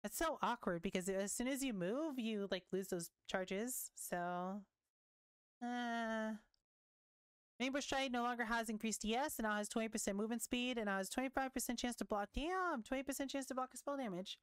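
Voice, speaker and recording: A young woman giving casual commentary while reading patch notes, chatty and quick to react, swearing now and then, her voice wearing thin. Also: on the high side, clear, resonant tone, no room sound, studio quality. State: losing her voice. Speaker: gaming content creator.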